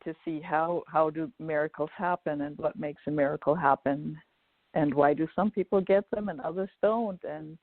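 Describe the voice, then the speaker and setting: A woman's voice: low voice, steady tone, normal speed, dry recording. Woman from Germany on a phone-like call. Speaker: guest. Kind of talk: casual interview talk. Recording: dry, phone-like call audio.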